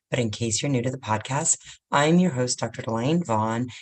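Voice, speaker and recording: A man with a medium-pitched, somewhat breathy voice speaks at a fairly quick pace with ordinary pitch variation. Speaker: physician podcast host. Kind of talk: solo podcast talk. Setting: live stream.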